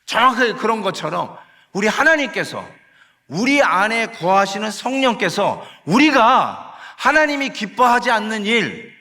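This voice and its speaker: A man's voice: high voice, sing-song, a little slow, bright, forceful tone. A male pastor preaching a conversational sermon, slipping in English phrases and acting out short quoted pleas. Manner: acts out quoted sighs and pleas. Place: church sanctuary. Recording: long hall reverb in a sanctuary.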